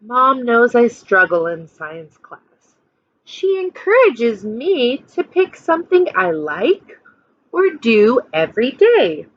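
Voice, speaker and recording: A woman's voice: fairly high pitch, sing-song, slow, no echo, highs cut off. A woman teacher reading a children's picture book aloud expressively, stopping to explain and put questions to young listeners.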